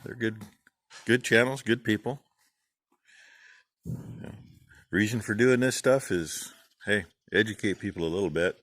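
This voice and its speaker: A middle-aged man, a farmer vlogging, giving rambling, plain-spoken shout-outs in a casual way. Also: on the low side, measured pace, pauses often, no room sound. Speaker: farm channel vlogger.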